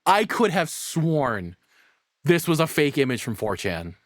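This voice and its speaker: Casual, foul-mouthed streamer with lively pitch swings. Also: a little slow, no room sound, studio quality. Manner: blunt, foul-mouthed, rambling. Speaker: streamer reacting to a video. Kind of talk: casual off-the-cuff reaction commentary.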